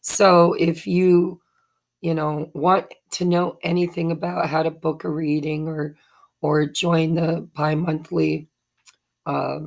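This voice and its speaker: A woman with a rough, hoarse voice talks her way through a tarot reading. She speaks slowly in a lowish, gravelly tone. Her delivery is chatty and meandering, full of fillers and self-corrections. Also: a little mellow. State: hoarse from allergies. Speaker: tarot reader. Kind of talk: casual tarot card reading.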